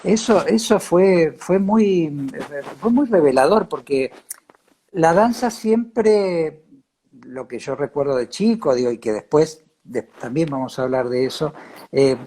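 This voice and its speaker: A man with an Argentine accent from Córdoba interviews in a conversational way, halting and repeating phrases as he searches for words. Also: fairly high pitch, animated, warm tone, husky.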